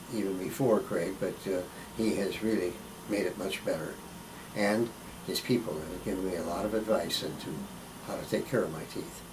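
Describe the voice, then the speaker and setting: At a moderate pace, a man with a fairly low pitch and ordinary pitch variation speaks with long, frequent pauses amid audible room echo. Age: 80s+. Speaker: dental patient. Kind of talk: interview testimony. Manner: hesitant with frequent fillers.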